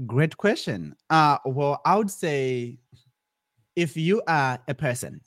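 A man's voice: fairly high pitch, animated, takes it slowly, a bit bright, no echo, studio quality. A man in his twenties from Zimbabwe, a guest in an interview, talking casually with many restarts and repeated words. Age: 20s. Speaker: podcast guest, business founder.

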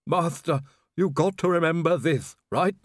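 A man voicing a gravely wounded male servant who talks in a broken working-class dialect. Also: a little high, measured pace, dry recording, clean studio sound, voice pushed up. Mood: urgent, fading. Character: dying old male servant, dialect-speaking.

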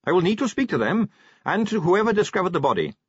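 A young, upbeat watch captain who stays courteous but will not be moved, as a male narrator puts him on. He speaks higher than the narrator and with lively pitch swings, through a slightly husky voice. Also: normal speed, dry recording, dull audio, heavily acted. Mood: firm. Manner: polite, cheerful, firm.

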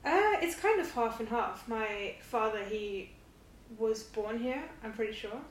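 A woman's voice: fairly high pitch, lively intonation, unhurried. Woman guest, distant and echoey. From London. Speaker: podcast guest. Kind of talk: casual interview chat. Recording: echoey, distant from mic, faint noise.

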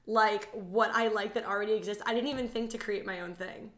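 A woman's voice: medium pitch, fairly even intonation, brisk, a bit bright. A woman in her twenties chatting casually as a podcast co-host, with an informal, slangy way of talking. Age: 20s. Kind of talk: casual chat. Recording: roomy, echoey sound.

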